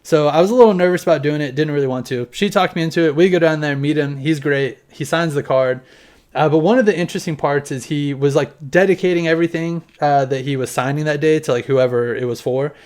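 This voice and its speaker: A man's voice: fairly high pitch, fast talker, a little mellow. A man in his thirties talking casually to camera at home, showing off his collection in a loose, rambling way and swearing now and then. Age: 30s. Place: home room with collection on display.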